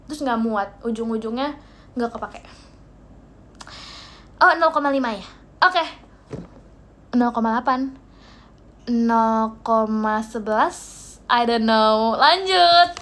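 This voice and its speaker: High-voiced playful young woman, livestream chat. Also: a bit bright. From Indonesia. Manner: chatty, playful, mixes in English phrases, reads out viewer gifts. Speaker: idol livestream host.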